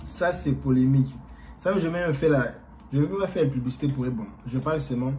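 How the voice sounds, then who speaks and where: A man whose first language is Portuguese, talking casually to his viewers as a YouTuber in a rambling, halting way with many fillers. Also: mid-range voice, dark tone, slight background noise.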